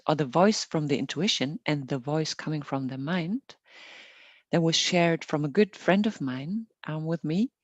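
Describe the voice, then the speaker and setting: Gentle woman hosting a meditation call. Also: sits low, no room sound. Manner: gentle, unhurried, reassuring. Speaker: meditation host. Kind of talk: welcoming guided meditation session. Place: online group call.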